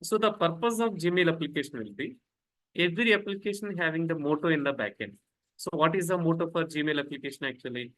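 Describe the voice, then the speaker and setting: Man, online instructor, higher pitch, repetitive, call-and-response teaching over computer mic. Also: fast, a bit bright, low-quality recording. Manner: repetitive, fillers like "actually", quizzes students. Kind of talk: live online lecture. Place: home, rain outside.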